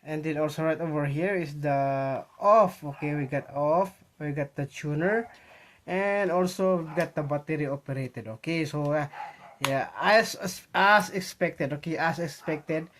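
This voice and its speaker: A man with a Filipino accent talks casually to viewers in an unboxing vlog, halting and repeating himself as he thinks aloud. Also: fairly high pitch, a bit bright. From Philippines. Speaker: vlogger. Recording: noisy home recording with clicks.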